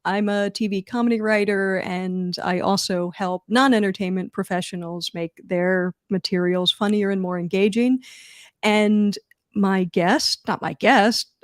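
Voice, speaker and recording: A woman's voice: mid-range voice, steady tone, measured pace, no room sound, studio quality. A woman with a Philadelphia accent co-hosting a casual livestream from her home office, chatty and self-deprecating, laughing often. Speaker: co-host.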